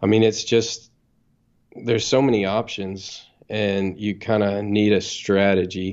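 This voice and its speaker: In a Texan accent, a man speaks at a fairly slow pace with fairly low pitch and monotone, flat intonation. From North Texas. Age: 20s. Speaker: oil and gas investment executive. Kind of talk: interview.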